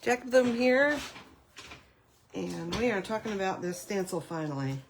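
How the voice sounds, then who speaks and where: A middle-aged woman with a raspy voice, recovering from a cough, chatting casually through a live paper craft demo and apologizing for her computer trouble. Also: mid-range voice, animated, unhurried. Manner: chatty, apologetic, thinking aloud over tech trouble. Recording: echoey room with faint noise.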